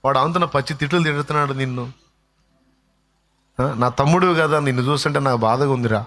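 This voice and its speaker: A preacher playing an angry elder brother who taunts and scolds harshly. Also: male voice, medium pitch, fast, pitched above the performer's own voice, close to an everyday voice. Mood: furious. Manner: taunting, shouting insults.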